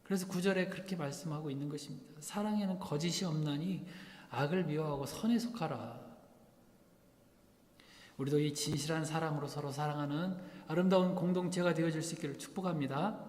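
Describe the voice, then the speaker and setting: A man's voice: on the high side, a little fast, darkish tone. Preaching man in an echoey church. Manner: rhetorical questions to the congregation, acting out quoted lines. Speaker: pastor. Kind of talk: sermon. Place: church sanctuary. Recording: echoey hall with long reverb.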